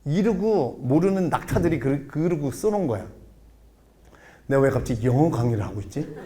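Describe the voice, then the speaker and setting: A middle-aged man giving a jokey, animated lecture, acting out little scenes as he explains. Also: medium pitch. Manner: animated, jokey, acts out quotes and accents. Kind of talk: lively lifelong-learning lecture.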